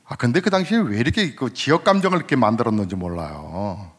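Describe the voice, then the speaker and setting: Male pastor in his fifties, mid-pitched, telling a story from the pulpit in a chatty way, church reverb. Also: animated, fast talker, breathy edge. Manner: conversational, asks the congregation questions, swells in pitch at emotional peaks. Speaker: senior pastor. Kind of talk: sermon with personal storytelling. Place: church sanctuary. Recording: long hall reverb.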